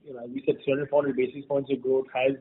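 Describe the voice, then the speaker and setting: A man's voice: medium pitch, little pitch movement, fast, husky. Man executive on a muffled conference line. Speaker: company executive. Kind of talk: answering analyst questions on an earnings call. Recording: dull phone conference line.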